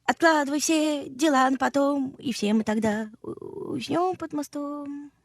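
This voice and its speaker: A woman's voice: high-pitched, a little slow, gravelly. A woman voicing a scatterbrained, playful female spirit of idleness in a children's cartoon, flighty and stammering. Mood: flustered. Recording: music behind the voice.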